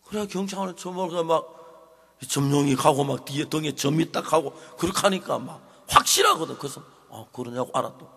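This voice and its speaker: Older Gyeongsang-accented pastor, dramatic storyteller, husky and slightly high, in a reverberant church hall. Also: male voice, fairly quick. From Gyeongsang, South Korea. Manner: animated, dramatic storytelling, addresses the congregation. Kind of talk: sermon storytelling. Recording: long reverb of a large hall.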